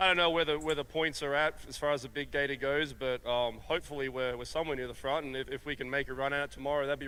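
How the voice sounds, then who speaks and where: Talking at a very fast pace, a man with an Australian accent has a fairly high pitch. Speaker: racing driver. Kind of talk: post-race interview. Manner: hesitant, filler-heavy.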